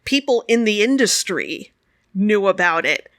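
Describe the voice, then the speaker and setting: Bright-voiced chatty woman co-host. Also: mid-range voice, big pitch swings, measured pace, no room sound, studio quality. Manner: chatty, laughs often, storytelling. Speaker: podcast co-host. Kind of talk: casual conversation.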